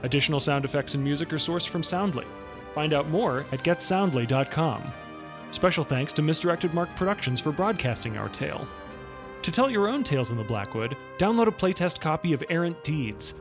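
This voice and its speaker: Higher-pitched man reading credits over music. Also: lively intonation, normal speed. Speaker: announcer. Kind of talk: scripted credits narration.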